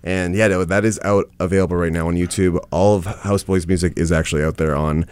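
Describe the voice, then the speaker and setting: A man with a baritone voice, a musician guest chatting casually on a radio show and laughing easily. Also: fairly even intonation, quick pace, a little mellow, clean tone. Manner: easygoing, laughs often.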